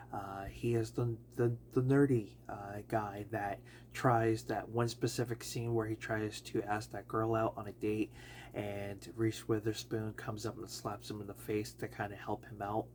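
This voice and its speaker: A man with a slightly raspy voice from allergies, casually reviewing a film and rambling with many fillers and self-corrections. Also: on the low side, level tone, measured pace, darkish tone, slight background noise.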